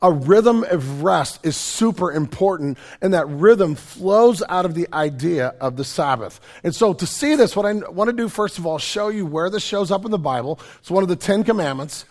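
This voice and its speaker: A middle-aged man, preaching a sermon in a conversational, self-deprecating way with joking asides, his voice raspy and hoarse from a cold. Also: high-pitched, lively intonation, moderate pace, few pauses, a little mellow. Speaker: pastor.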